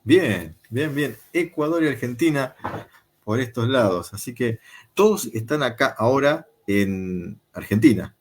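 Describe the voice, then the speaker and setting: A man hosting a video call interview, talking in an unhurried, conversational way with frequent filler pauses. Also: mid-range voice, lively intonation, husky. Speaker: interview show host.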